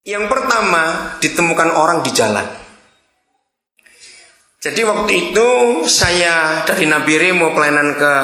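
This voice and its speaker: Animated preacher in echoey hall. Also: male voice, on the high side. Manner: storytelling, animated, acts out dialogue. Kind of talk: sermon.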